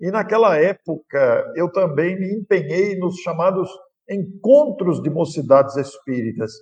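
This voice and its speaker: A man with a high voice speaks fairly slowly. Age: 60s. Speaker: spiritist speaker and writer. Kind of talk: interview.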